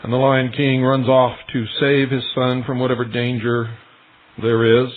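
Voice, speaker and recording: A man's voice: medium pitch, monotone, normal speed. A male radio host giving an earnest, insistent retelling in a talk monologue. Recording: tinny shortwave radio broadcast.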